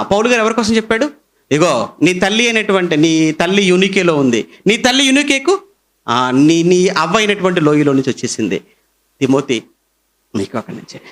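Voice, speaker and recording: A middle-aged male pastor with a Telugu accent preaches to his congregation. His voice sits fairly high, rising sharply for emphasis and dropping low and quiet in between. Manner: animated preaching, pitch swinging high and low. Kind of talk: sermon.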